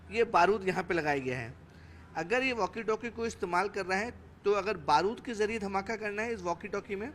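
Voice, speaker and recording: High-pitched male Hindi TV news reporter. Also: a bit bright. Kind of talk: on-camera news explainer and interview. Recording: clear background noise.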